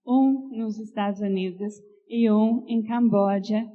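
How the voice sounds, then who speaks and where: An older woman from Canada with a Northeastern Brazilian accent, calmly sharing her life story in church and reading a poem. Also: mid-range voice, measured pace, muffled recording. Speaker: pastor's wife sharing testimony.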